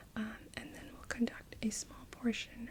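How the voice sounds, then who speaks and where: A woman is speaking. She whispers. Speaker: ASMR creator. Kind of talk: medical roleplay, audiologist-style ASMR. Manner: soft-spoken, whispery, slow.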